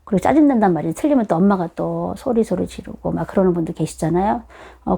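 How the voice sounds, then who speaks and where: A woman giving an explanatory, conversational talk to parents as an educator, animated and often putting questions to her listeners. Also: medium pitch, vocal fry. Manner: animated, acts out short quotes of children and parents.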